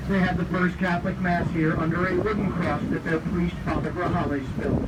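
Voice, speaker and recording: A man, a tour guide telling history with corny jokes to riders on an outdoor tour train. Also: high-pitched. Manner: jokey, punny, playful storyteller. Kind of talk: tour narration over a speaker system. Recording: distant, noisy outdoor train recording.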